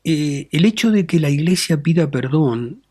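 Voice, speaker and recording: Measured bishop, dry sound. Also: male voice, on the high side, lively intonation, a little mellow, husky, dry recording. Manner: deliberate, frequent tag questions and fillers. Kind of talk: measured interview answers.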